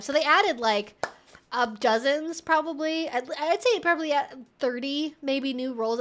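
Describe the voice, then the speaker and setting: Reading out viewer comments during a casual livestream Q&A, this host speaks conversationally and with emphasis while thinking aloud. Her voice sits high and sounds a bit bright.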